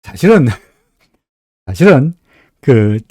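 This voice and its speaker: A man's voice: medium pitch, very animated, very slow, darkish tone, slightly rough, dry recording. Middle-aged man, Gyeongsang Korean accent, folksy market commentary, dry close sound. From Gyeongsang region, Korea. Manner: chatty, folksy, asks "right?" often. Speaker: stock market analyst host.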